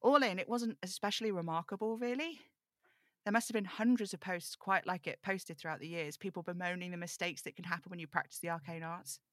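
A woman performs a lonely, thoughtful woman broadcaster in an audio drama. Her voice sits slightly low, with a crisp, bright edge and a very dry sound. She confides in her listeners with measured, wistful storytelling. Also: no room sound, close to an everyday voice. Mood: confessional, uneasy. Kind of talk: intimate scripted audio drama monologue.

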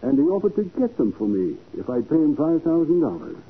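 Genteel, husky radio gentleman. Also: on the high side, huge pitch swings, fairly quick, exaggerated voice. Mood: courteous. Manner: courteous, genteel phrasing. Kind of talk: 1940s radio acting. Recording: muffled phone-like 1940s radio recording.

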